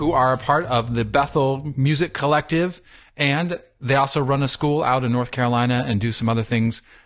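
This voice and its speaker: In a normal speaking voice, a man talks at a medium pitch and moderate pace with fairly even intonation against a quiet background. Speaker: podcast host. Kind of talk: podcast intro to listeners.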